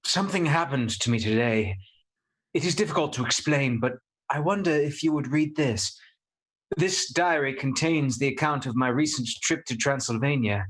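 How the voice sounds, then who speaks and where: Radio play: troubled young husband, husky middle register, intense and sincere. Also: male voice, mid-range voice, normal speed, fairly bright tone, rough recording. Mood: troubled, earnest. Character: haunted, earnest young husband, shaken but insistent. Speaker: actor in a live radio play. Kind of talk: theatrical radio drama acting.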